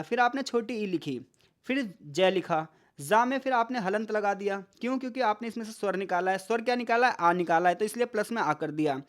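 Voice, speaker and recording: Tutor quizzing and sounding out syllables. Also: medium pitch. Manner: poses questions and answers them, sounds out syllables slowly; mixes English words into speech. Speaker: exam tutor. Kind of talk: explanatory online lesson.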